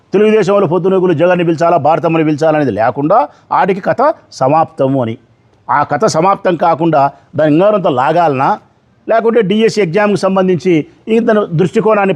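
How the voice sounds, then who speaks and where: A man's voice: fairly high pitch, darkish tone. A middle-aged man, a politician giving a combative press statement full of rhetorical questions.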